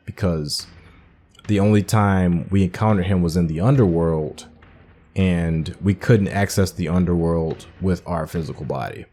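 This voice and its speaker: A man's voice: low-pitched, warm tone. A man hosting a gaming playthrough, giving informal commentary and thinking aloud as he goes. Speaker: gaming host. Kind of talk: casual game commentary.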